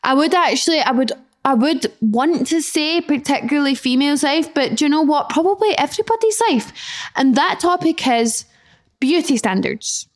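A woman talks casually as a solo podcast host in a slightly high voice. She is chatty and leans on repetition for emphasis. The small flat she records in adds an echo. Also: normal speed. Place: indoors, small echoey flat. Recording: echoey room in a flat.

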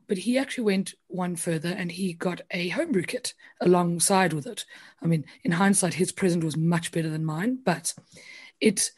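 A woman with a somewhat low voice shares a rambling personal anecdote on a podcast. She talks casually, with easy laughter breaking in between thoughts. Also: darkish tone. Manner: chatty storytelling with frequent laughs. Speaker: podcast co-host. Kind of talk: casual chat.

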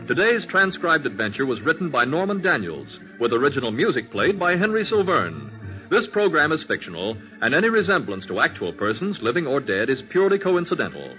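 A man narrates in vintage radio announcing style, with animated pitch and a bright, punchy tone. The recording is dull, with faint music behind. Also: fairly quick. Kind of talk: 1940s radio scripted announcing.

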